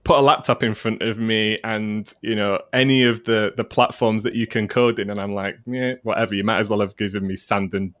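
A man's voice: fairly low pitch, steady tone, fairly quick, few pauses, fairly bright tone. A man with a broad Yorkshire accent touched by Mancunian, hosting a talk show in a chatty, informal way. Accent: broad Yorkshire with some Mancunian. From northern England. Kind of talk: conversational interviewing.

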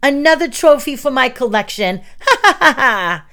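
A woman voicing a bossy, excitable young girl with mock-villain bombast in a children's story. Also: high-pitched, moderate pace, voice pushed up, full character voice. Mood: maniacal.

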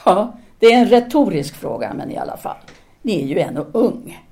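A woman's voice: mid-range voice, big pitch swings, gravelly, dark tone. An actress playing a self-assured, seductive intellectual woman, a didactic and teasing free thinker in an audio drama. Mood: firm, didactic.

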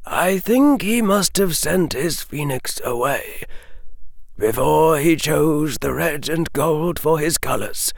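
A man voicing an ancient, grieving male wizard in a storybook reading, speaking in a hushed, breaking voice, slow and halting. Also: on the high side, no echo, studio quality, voice pushed up, heavily acted.

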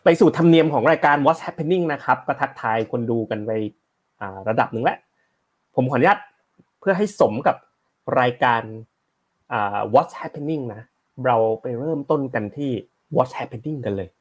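A man's voice: a little high, expressive, measured pace, slightly rough. A man hosting a casual live stream about stocks, chatting with viewers and explaining news headlines, slightly short of breath. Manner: chatty, rambling, reads headlines aloud and explains them. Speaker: host of a stock market live show.

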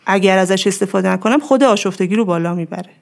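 A woman guest on a conversational podcast, speaking in a steady, reflective way. Her voice has a gravelly, creaky edge. She explains ideas patiently and reaches for simple everyday examples. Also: medium pitch.

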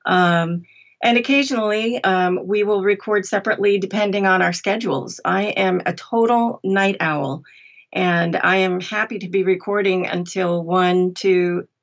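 A woman's voice: medium pitch, normal speed, highs cut off. A middle-aged woman speaking conversationally as an interview guest about her work. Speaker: interview guest, audiobook narrator.

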